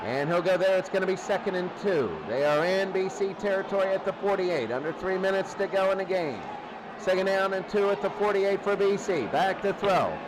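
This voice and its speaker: A man's voice: high-pitched, fairly quick. A man calling football play by play on the radio in short running calls, repeating downs and scores. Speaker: play-by-play sports announcer. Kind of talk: live American football radio commentary. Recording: loud crowd noise behind commentary. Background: noisy sports crowd.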